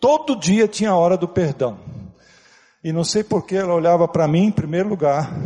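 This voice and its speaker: High-pitched for a man, this voice has a dark, mellow tone and ordinary pitch variation. He moves at a moderate pace with long, frequent pauses. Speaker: pastor. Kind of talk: sermon. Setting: church.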